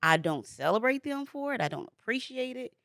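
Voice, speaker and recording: A woman's voice: on the high side, sing-song, fairly quick, fairly bright tone, dry recording, studio quality. A woman in her forties co-hosting a podcast, telling a story in casual chat and laughing easily. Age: 40s. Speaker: podcast co-host.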